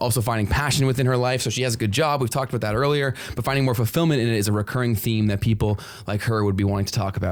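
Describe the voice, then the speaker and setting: A man at medium pitch talks at a very fast pace with fairly even intonation. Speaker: social media marketing educator. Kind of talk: tutorial.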